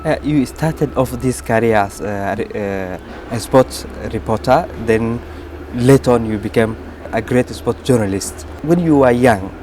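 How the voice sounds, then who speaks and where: A man's voice: mid-range voice, a little slow, a little mellow. Hesitant male interviewer, faint street noise. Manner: hesitant questions with fillers. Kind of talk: casual interview questions.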